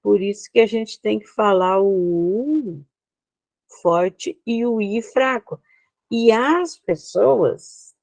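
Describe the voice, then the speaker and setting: A woman's voice: mid-range voice, a little mellow, no room sound. A Brazilian woman teaching an online class, explaining slides step by step and often checking that her students follow. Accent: Brazilian Portuguese.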